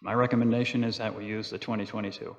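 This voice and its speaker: A man with a low-ish, creaky, steady voice talks fast as he chairs a town planning board meeting, moving plainly and procedurally through motions and votes. The audio is dull and echoes around a reverberant meeting hall.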